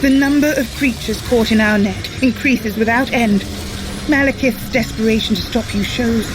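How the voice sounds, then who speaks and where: A woman's voice: on the high side, moderate pace, natural voice. An actress playing a resolute, regal female guardian, formal and encouraging in a fantasy audio drama. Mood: grave. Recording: clear outdoor-like ambient noise. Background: ambient noise.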